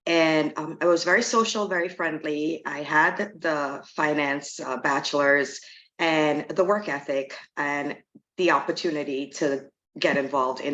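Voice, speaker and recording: A woman's voice: low-pitched, highs cut off. A woman in middle age from Trinidad, speaking frankly and conversationally as an interview guest. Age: middle-aged. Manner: frank, plainspoken. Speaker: interview guest, real estate agent.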